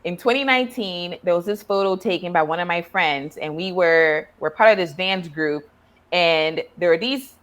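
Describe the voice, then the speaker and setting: With a lowish voice and a moderate pace, a woman from Ghana conducts a casual interview. She is a therapist and podcast host who asks warm, friendly questions and laughs with ease.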